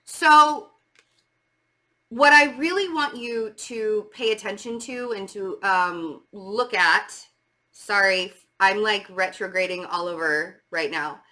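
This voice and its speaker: A middle-aged woman with a slight stammer speaks casually and emphatically to viewers as she gives a halting spiritual tarot reading, repeating words for stress. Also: medium pitch, pushed and bright. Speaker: tarot reader.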